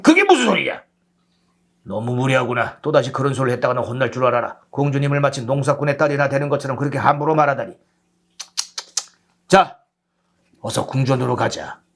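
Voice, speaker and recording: A man's voice: mid-range voice, animated, brisk, pauses often, fairly bright tone. A man plays an old, deluded knight in a storybook reading. He is pompous and lovelorn, speaking in a lordly, theatrical way. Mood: indignant.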